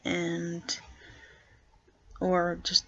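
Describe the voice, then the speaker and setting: A young trans guy vlogging casually and hesitantly, deliberately pushing his voice lower as he talks. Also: monotone, husky, muffled recording. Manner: hesitant, soft-spoken, consciously pitching voice lower. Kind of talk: casual first vlog.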